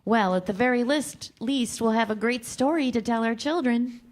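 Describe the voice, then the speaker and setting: A woman's voice: fairly high pitch, normal speed, lightly acted. A woman playing a caring, upbeat female love interest in a staged comedy reading. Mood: reassuring.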